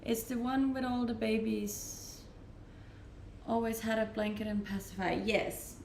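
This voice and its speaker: A woman's voice: fairly high pitch, steady tone, unhurried, gravelly, a little mellow, slight background noise. A woman with a Danish accent, chatting easily on a livestream from her rented home, reading out and answering viewer comments and laughing often. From Denmark. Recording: roomy echo.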